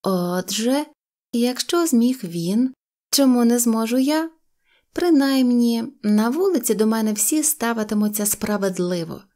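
A woman's voice: a little high, lively intonation, unhurried, warm tone, pitched above the performer's own voice. A woman voicing a prim little girl kitten in an audio storybook, pleading and indignant. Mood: wistful. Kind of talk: storybook character voice.

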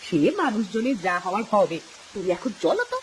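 A woman's voice: mid-range voice, sing-song, a little fast, slight background noise, natural voice, low-quality recording. A woman voicing a greedy bossy village wife. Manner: bossy, scolding. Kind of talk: dubbed cartoon acting.

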